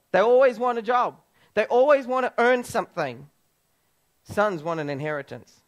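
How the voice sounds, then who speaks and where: A moderate pace with long, frequent pauses and very wide pitch swings, over a quiet background. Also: man, high pitch for a man. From Australia. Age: 30s. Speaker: traveling preacher. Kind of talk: sermon. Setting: church. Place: church.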